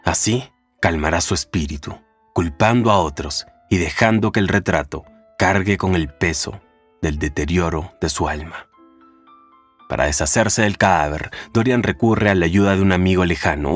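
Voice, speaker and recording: A man giving a scripted, measured narration of a classic novel's summary and analysis, over faint background music. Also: low-pitched.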